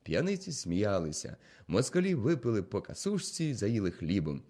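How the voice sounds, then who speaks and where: A man narrating a classic novel as an audiobook in a steady storytelling manner. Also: fairly low pitch, normal speed.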